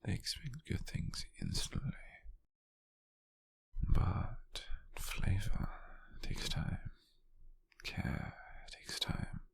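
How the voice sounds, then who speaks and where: A British man playing a gentle, doting, teasing lover in an intimate, breathy, half-whispered ASMR roleplay, close to the microphone. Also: lowish voice, wildly swooping pitch, dry recording, exaggerated voice. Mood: tender, musing. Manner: slow, tender, softly teasing.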